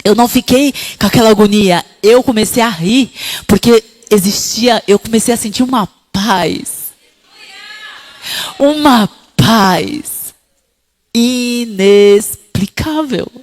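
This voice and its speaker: A woman preaching a sermon, telling her own testimony quietly and then rising to fervent, shouted exhortation. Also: medium pitch, normal speed.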